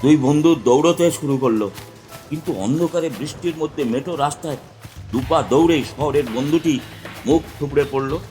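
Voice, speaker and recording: A man's voice: a little high, normal speed, mellow, soft background music. A man telling a village ghost story in the first person as a tantric guru, in a dramatic storytelling manner. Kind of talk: scripted horror narration.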